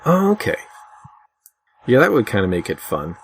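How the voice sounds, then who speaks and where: A man's voice: medium pitch, wildly swooping pitch, normal speed. A man hosting a podcast in a casual, chatty style. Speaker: podcast host. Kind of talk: casual chat. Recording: slightly noisy online voice chat.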